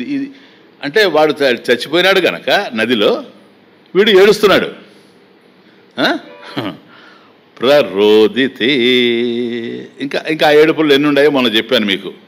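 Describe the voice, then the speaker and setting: A man gives a spiritual discourse. He chants verses slowly and then turns to his listeners and explains them plainly, in a voice of middle pitch. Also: a bit bright. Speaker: Vedanta teacher.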